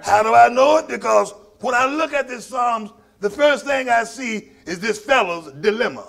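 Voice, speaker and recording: Male preacher, Southern African American accent, high voice with a creaky rasp, folksy and emphatic sermon delivery. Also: animated, normal speed, fairly bright tone. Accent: Southern African American English. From Mississippi, US. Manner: folksy, emphatic, repeats phrases for effect. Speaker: pastor preaching to a congregation. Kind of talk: sermon with call and response.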